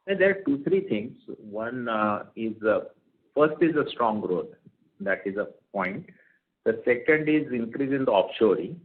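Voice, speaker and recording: A man, a company executive answering questions on an earnings call in halting phrases with repeated words. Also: mid-range voice, expressive. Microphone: telephone conference call. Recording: tinny narrowband conference phone line.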